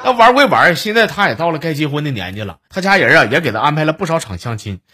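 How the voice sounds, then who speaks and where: A man's voice: on the high side, big pitch swings, fast, bright, forceful tone, slightly rough. A man with a Northeastern Mandarin accent hosting a comedy show, telling funny stories and reading out listeners' jokes with a teasing, chuckling delivery. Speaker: podcast host.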